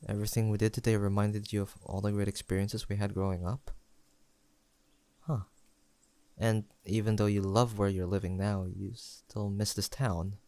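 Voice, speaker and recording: A young man acting an affectionate, teasing best friend in an intimate audio roleplay, chatting in a gentle, playful and sincere way. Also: on the low side, no echo, close to an everyday voice. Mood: wistful, hesitant. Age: young adult.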